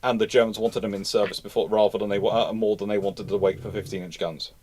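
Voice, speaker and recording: A man hosting an unscripted question-and-answer talk, speaking emphatically but haltingly, doubling back and repeating himself to stress points. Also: on the low side, fairly even intonation, a little mellow, a little hiss or hum. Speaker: naval history host answering live questions.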